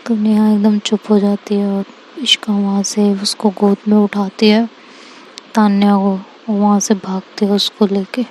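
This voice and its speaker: A woman casually narrating a romance story in a plain, relaxed way. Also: mid-range voice, unhurried, slight background noise.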